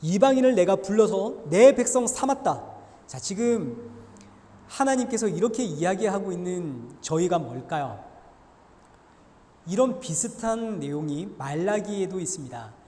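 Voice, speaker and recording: A male pastor delivers a sermon with a fairly high voice, his delivery animated and rising in force when he acts out quoted voices. The sound carries a long reverb, as if it fills a large church sanctuary. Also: measured pace. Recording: echoey church hall reverb.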